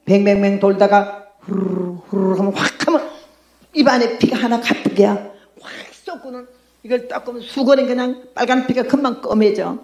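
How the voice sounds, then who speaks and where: An older woman missionary giving a lively testimony sermon, telling her story and acting out her own past words. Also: mid-range voice, moderate pace. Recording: echoey room.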